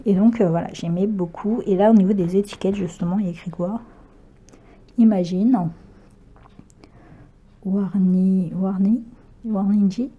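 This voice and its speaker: A woman talks through her craft purchases in a loose, chatty way, pausing on fillers and correcting herself as she goes. Her voice is mellow and warm rather than bright, and her pitch sits in a middle range. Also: steady tone, breathy edge, dull audio. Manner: chatty, hesitant, many fillers and self-corrections, laughs easily. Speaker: craft vlogger. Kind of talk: casual unboxing chat.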